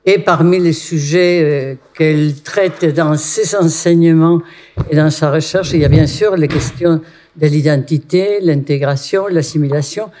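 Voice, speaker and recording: A man with a fairly high voice opens a study day by introducing the guest speaker. He speaks in an easy, informal way, with small jokes. He is heard in a lecture hall. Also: unhurried, darkish tone. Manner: informal, switching into a joking tone. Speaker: event organizer introducing the speaker. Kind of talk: introduction at a conference.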